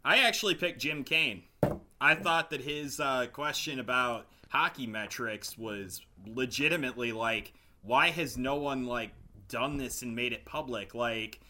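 Very bright, forceful American man chatting. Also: medium pitch, unhurried, slight background noise. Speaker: sports podcast co-host. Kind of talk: casual chat.

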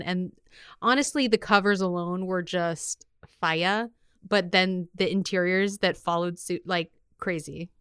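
A woman's voice: mid-range voice, a bit bright, clean tone, no echo, clean studio sound. A woman co-hosting a podcast in an informal, chatty way, reading out listener messages. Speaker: podcast co-host. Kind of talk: casual chat and reading listener mail.

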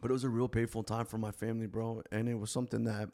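A man's voice: lowish voice, flat delivery, rapid-fire, mellow. Slangy South Florida man, rambling story. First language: Spanish. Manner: rambling, slangy, peppers speech with "bro" and "like". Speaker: podcast guest. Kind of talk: casual storytelling in a podcast conversation.

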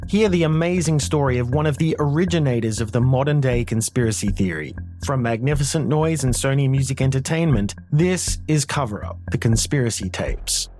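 A man's voice: medium pitch, expressive, fairly quick, few pauses, darkish tone, soft background music. A man narrating a podcast trailer in a dramatic, announcer-like style. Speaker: promo narrator.

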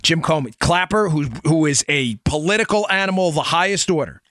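A man's voice: on the high side, expressive, fairly quick, fairly bright tone, no room sound, clean studio sound. A man hosting a political talk show in an emphatic, insistent monologue, firing rhetorical questions at his listeners.

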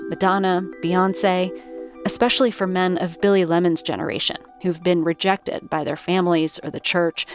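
Low-voiced woman radio reporter. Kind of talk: scripted news narration.

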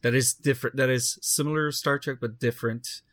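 A man who produces audio dramas, talking casually in a halting way with lots of restarts. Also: mid-range voice, steady tone, a bit bright. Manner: halting, many restarts and fillers. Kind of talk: casual podcast chat.

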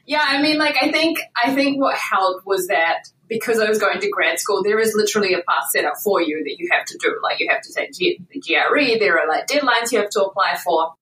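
A woman's voice: mid-range voice, lively intonation, brisk, hardly any pauses, a bit bright, roomy sound, distant mic, rough recording. A woman in her late twenties with a New Zealand accent, a podcast guest talking casually with lots of fillers and hedges. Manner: chatty, with many fillers and hedges. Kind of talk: casual interview talk.

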